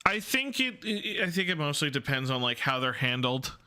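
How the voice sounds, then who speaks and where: A man's voice: on the high side, sing-song, normal speed, bright, forceful tone. A man streaming his game development, chatting casually and hesitantly with lots of "like" and "uh". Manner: hesitant, filler-heavy, self-deprecating laughs. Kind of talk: casual live-stream chat.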